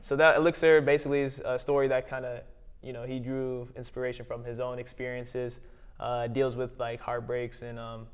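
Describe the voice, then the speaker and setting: Young male guest, smooth voice, relaxed and rambling. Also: mid-range voice, moderate pace. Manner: easygoing, rambling, heavy on fillers. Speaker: filmmaker guest. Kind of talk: casual interview chat.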